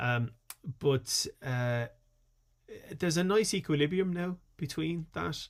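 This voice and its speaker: A man with a fairly high pitch and an Irish accent, very slow pace, long, frequent pauses and ordinary pitch variation. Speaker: lecturer. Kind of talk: tutorial.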